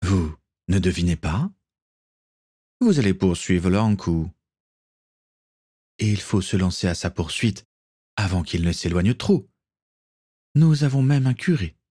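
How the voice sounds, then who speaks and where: A male narrator voicing a haughty ship captain with a smooth, formal and cold manner. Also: deep voice, animated, a little slow, pauses often, mellow, dry recording, clean studio sound, exaggerated voice. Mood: dismissive.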